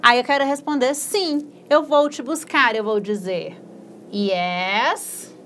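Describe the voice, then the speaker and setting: A Brazilian woman with a Brazilian Portuguese accent gives an English lesson in a recorded video, slowly spelling out sentences word by word and explaining in a casual, encouraging manner. Her voice is high, animated and fairly bright, with a little hiss or hum in the recording.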